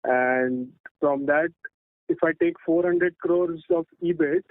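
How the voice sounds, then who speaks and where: A man asking careful questions as an analyst on a conference call, heard over a phone line and pausing on fillers as he works through figures. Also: a little high, huge pitch swings, gravelly, dry recording. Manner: methodical, pauses on fillers while working through figures. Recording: tinny dry phone line.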